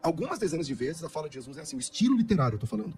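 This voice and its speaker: A Brazilian man, a pastor, argues scripture in a radio debate. He talks fast and with a lively, swinging pitch, his tone dark and mellow, driving his point home through repetition. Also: soft background music. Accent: Brazilian Portuguese. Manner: emphatic, argumentative, repeats words as he builds a point.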